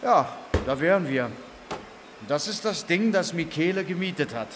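An offhand young man, played by an actor talks casually in a slightly high voice. He sounds a little distant, in a space with a long echo, with faint noise behind him. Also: lively intonation, moderate pace, close to an everyday voice. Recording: echoing space, somewhat distant.

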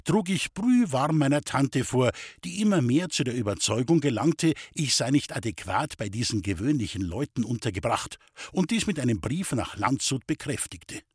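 A man from the Bavarian Forest reads his childhood memoir aloud, calm and unhurried. His voice is husky and middle in pitch. The recording is close and dry. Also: dry recording. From Bavarian Forest, Germany. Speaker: author reading his memoir.

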